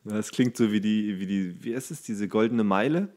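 A man's voice: moderate pace, darkish tone. A man co-hosting a casual podcast chat, joking around and laughing often. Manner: laughing, jokey, acts out quotes in a high voice. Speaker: podcast co-host.

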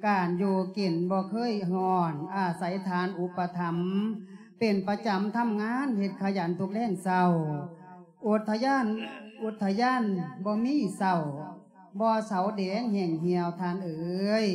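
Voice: medium pitch, fairly even intonation, unhurried, darkish tone, close to an everyday voice. A performer voicing a devout, poor orphaned servant girl in a sung sermon, with an Isan accent and polite, half-chanted verse. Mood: humble.

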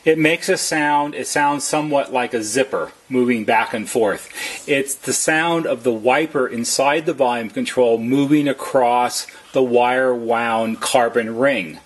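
A man with a slightly husky voice narrates a how-to as a service technician, explaining plainly and methodically, step by step. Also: mid-range voice, a little slow. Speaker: service technician giving a tutorial.

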